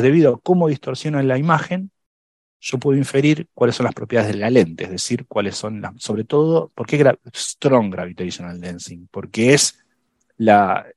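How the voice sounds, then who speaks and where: A man's voice: medium pitch, a little mellow, no room sound, clean studio sound. A man on a science podcast, explaining black holes in casual chat, thinking aloud with fillers and restarts.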